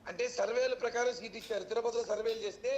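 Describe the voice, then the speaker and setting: A man's voice: very high voice, steady tone, rapid-fire. A man defending himself in a political debate, explaining at length with repeated false starts. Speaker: political party leader as debate guest.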